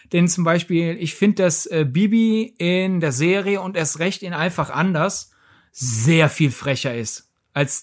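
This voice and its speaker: A podcast co-host of medium pitch in a casual film discussion, talking in a rambling, analytical way. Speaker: podcast co-host reviewing films.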